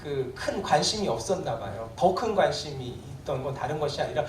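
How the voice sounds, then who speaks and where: Pastor, sermon, conversational, asks the congregation questions, animated pitch, echoey church hall, distant mic. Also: fairly quick, slight background noise. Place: church sanctuary.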